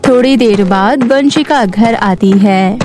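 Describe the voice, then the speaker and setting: A woman with a high voice narrates a children's cartoon story. She reads from a script as the storyteller. Light music plays underneath. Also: slow pace. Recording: faint music bed behind voice.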